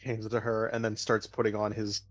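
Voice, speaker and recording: Brief: player, man, deep-ish monotone mutter, dry sound. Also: fairly quick, no room sound, lo-fi sound.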